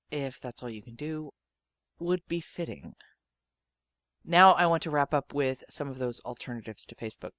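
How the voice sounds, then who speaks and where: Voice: mid-range voice, fairly bright tone, no echo. A podcast host giving spoken commentary directly to listeners.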